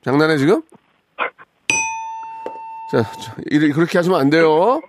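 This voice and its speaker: A man's voice: fairly high pitch, expressive, noisy background. A man hosting a radio call-in show, teasing and bossing callers in casual banter. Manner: teasing, bossy, quick-talking.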